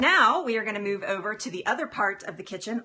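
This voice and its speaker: With noticeable background noise behind her, a woman with an American accent talks at a fairly quick pace, her fairly high pitch showing ordinary variation. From Texas. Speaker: cooking show host. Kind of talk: live cooking tutorial. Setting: home kitchen, live stream. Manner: chatty, animated.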